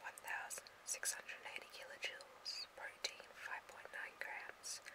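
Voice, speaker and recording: Speaking in a whisper, a woman goes at a fairly slow pace. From Australia. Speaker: ASMR creator. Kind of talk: ASMR whispered ingredient reading. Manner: whispered.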